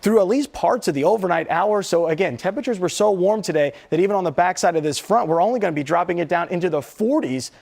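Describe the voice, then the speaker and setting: A man's voice: sits high, lively intonation, fast talker, gravelly, few pauses, a little mellow. An American man presenting a live weather forecast as a TV meteorologist, talking in a conversational, explanatory way.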